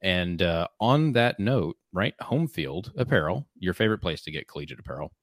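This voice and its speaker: A man co-hosting a casual podcast, talking in a halting way with many fillers and restarts. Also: sits low, very animated, no room sound, clean studio sound. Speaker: podcast co-host. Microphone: podcast microphone.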